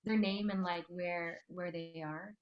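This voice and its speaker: A woman's voice: fairly low pitch, steady tone, unhurried, dull audio. A woman from New York City by way of the Philippines, a guest chatting casually on a video call with rambling restarts. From New York City via the Philippines. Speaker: interview guest. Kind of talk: casual chat.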